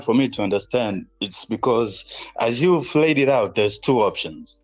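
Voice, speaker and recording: A man's voice: medium pitch, lively intonation, normal speed, lo-fi sound, soft background music. A man from Tanzania, a guest in a live-stream debate, laying out his reasoning step by step.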